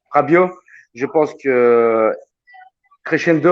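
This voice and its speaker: A strong Liège accent with ordinary pitch variation. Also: man. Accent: strong Liège Belgian. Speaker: listener calling in. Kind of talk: casual chat.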